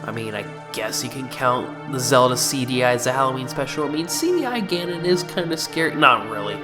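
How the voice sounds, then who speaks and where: A man hosts a casual game review in an informal, slightly sweary way. His pitch moves around a lot, and music plays clearly behind him. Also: lively intonation, fairly quick. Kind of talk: casual video commentary.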